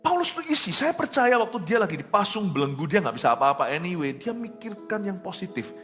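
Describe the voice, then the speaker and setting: A man's voice: high voice, fairly quick, faint music behind. A middle-aged man preaching a sermon, telling stories and acting out quotes, dropping in English phrases. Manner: animated preaching with jokes and acted quotes, mixing in English phrases. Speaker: pastor.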